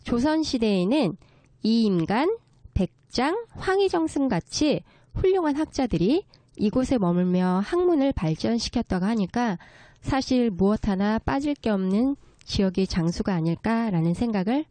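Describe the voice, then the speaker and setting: A woman gives a courteous interview explanation, taking things step by step. Her voice is mellow and relaxed, with lively movement in pitch. The sound is close and dry. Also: moderate pace, dry recording. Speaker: guest expert, children's story writer. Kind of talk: explanatory interview talk on local folk culture.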